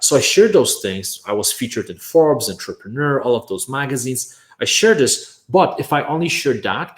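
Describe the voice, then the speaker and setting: This energetic online course-making workshop is led by a man from Poland who speaks Polish as his first language. He leans on "right?" and a recurring "bam" to emphasize points. His voice is medium in pitch, and the sound is roomy.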